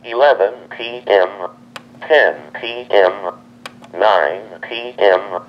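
A low male voice makes stilted time and day announcements, very slowly, one clipped word at a time. It plays from the small, dull lo-fi speaker of an answering machine. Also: a little hiss or hum.

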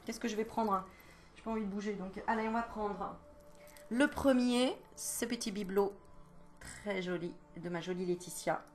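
A woman's voice: medium pitch, darkish tone. Woman, medium, casual card reading, chatty, talks to the viewer, mid-range voice, faint background noise. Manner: chatty, talks straight to the viewer, laughs often; reads card messages aloud slowly.

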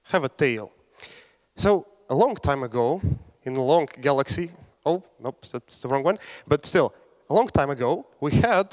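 A young man from Latvia giving a casual, joking technical talk on a conference stage, with fillers and restarts. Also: fairly high pitch. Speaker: conference speaker. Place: large conference hall on stage. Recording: hall reverb.

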